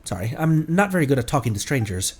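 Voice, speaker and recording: A man reading game dialogue as a shy, apologetic, wistful stranger, hesitant and soft-spoken. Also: medium pitch, very animated, fast talker, slightly rough, voice pushed down. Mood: awkward, apologetic.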